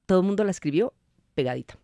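A woman's voice: lowish voice, lively intonation, very fast, mellow, no room sound. A Colombian woman explaining spelling rules patiently as a guest on a radio show, speaking in a studio. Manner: patient, didactic, laughs easily.

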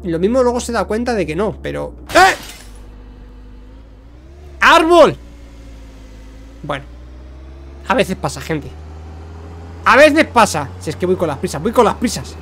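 Excitable gaming streamer, man. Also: sits high, normal speed, long pauses. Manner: excitable, shouts during firefights, jokey. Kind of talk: gameplay commentary. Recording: faint gunfire noise behind.

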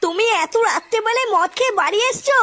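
Woman playing a shrill, scolding cartoon mother. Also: expressive, fast, over music. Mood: outraged. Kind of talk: comedy cartoon voice acting.

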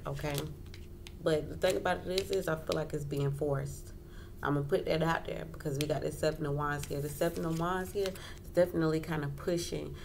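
A woman giving a casual tarot reading as host, talking informally, repeating phrases and checking in often. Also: sits low. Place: indoors at a wooden table. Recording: clearly noisy home recording.

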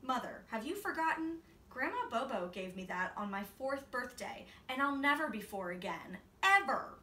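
A dramatic, pleading little boy from a picture book, put on by a woman. The voice sits high and bright, with a protesting, bargaining manner. It sounds roomy. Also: sing-song, normal speed, distant mic, heavily acted. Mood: indignant. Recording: roomy, off-mic, faint noise.

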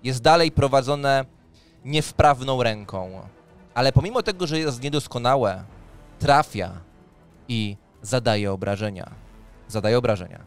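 A man's voice: mid-range voice, measured pace, smooth. A man in his thirties narrating a tabletop fantasy game as game master, in a descriptive, dramatic storytelling manner. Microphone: close microphone on a boom arm, headset on. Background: music.

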